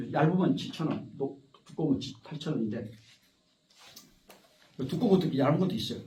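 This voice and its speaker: This man has a high, slightly mellow voice as he delivers a loose, wandering talk to a handful of listeners who keep interrupting. He's picked up from a distance in a room with lots of echo.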